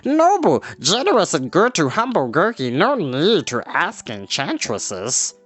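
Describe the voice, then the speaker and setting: Shaggy male creature, high-pitched, eager, fretful, pleading, wailing, rhyming, devoted. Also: huge pitch swings, measured pace, a bit bright, husky, heavily acted. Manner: rhyming, pleading, wailing speech, refers to himself in third person. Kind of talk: children's storybook character reading.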